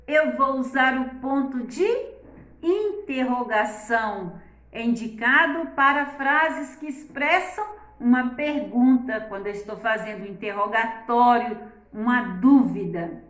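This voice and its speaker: A woman, teaching a class and speaking in a slow, deliberate way, exaggerating the intonation of her examples and often adding "né?". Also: sits high, expressive, fairly bright tone, reverberant.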